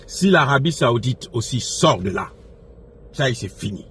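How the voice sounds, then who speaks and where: Male political commentator, mid-pitched voice, emphatic and repetitive, impassioned unscripted delivery, noisy background. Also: expressive, moderate pace, a bit bright. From Africa. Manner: emphatic, repeats phrases, rhetorical questions. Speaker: political commentator addressing followers. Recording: noisy recording with background ambience.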